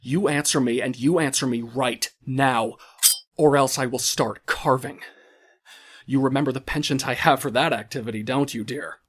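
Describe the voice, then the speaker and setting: A man's voice: medium pitch, moderate pace, a bit bright, slightly rough. A man playing a cruel, theatrical crime boss in an audio drama, mock-courteous and condescending with menacing outbursts. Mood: furious, scornful.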